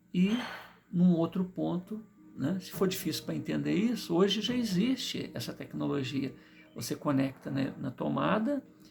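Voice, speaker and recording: This is a man speaking. His pitch is high. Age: 60s. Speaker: spiritist lecturer. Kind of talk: lecture. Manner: halting, with repetitions.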